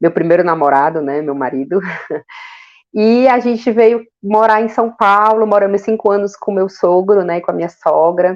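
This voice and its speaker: With a northeastern Brazilian accent, a woman talks using lively intonation. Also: medium pitch for a woman, moderate pace. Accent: Cearense (Brazilian northeast). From Ceará, Brazil. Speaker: guest, mother and baby sleep consultant. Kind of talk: interview, life story. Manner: hesitant, many fillers.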